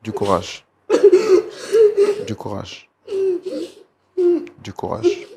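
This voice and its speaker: A man hosting an emotional testimony show on a studio set, pleading and soothing as he repeats the same words again and again. His pitch swings wildly from low to high, and there is clear background noise in the recording. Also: huge pitch swings, very slow. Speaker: talk show host.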